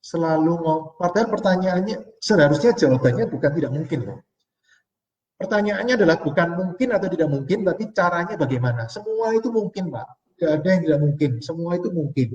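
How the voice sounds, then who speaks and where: A man in his forties gives a live online money seminar with a slightly high voice, talking to viewers as friends and reading out their comments. His voice sounds distant and dull, caught in a roomy space. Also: lively intonation, brisk, darkish tone. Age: 40s. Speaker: financial seminar speaker.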